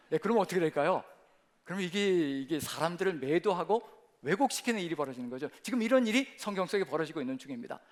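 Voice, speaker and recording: A male pastor preaching a sermon, asking many rhetorical questions and leading the congregation in reading aloud. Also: on the high side. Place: church sanctuary.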